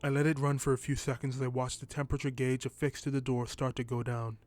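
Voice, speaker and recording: A man reading a short story in scripted first-person narration, telling it at a steady, even pace. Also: mid-range voice, fast talker, soft background music.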